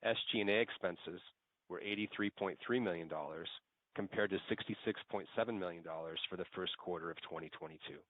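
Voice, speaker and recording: A man with a low voice delivers scripted financial results. His reading is formal and measured, like a prepared executive report. The sound is narrow and phone-like, with no room around it. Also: no echo. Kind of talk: scripted earnings call presentation. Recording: tinny phone-line audio, very dry.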